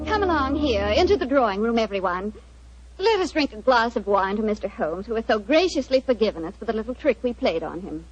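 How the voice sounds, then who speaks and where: A haughty aristocratic lady in a vintage radio play. Her voice is high and imperious. The sound is dulled like an old broadcast. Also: sing-song, brisk, highs cut off, over music. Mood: gracious. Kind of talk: 1940s radio acting.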